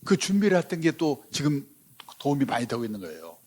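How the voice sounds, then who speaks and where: A man's voice: mid-range voice, very animated, fast talker, a little mellow. A man in his seventies giving a public finance lecture, telling stories in a conversational way with frequent asides. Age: 70s. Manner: anecdotal, conversational storytelling with asides. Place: lecture hall before a live audience.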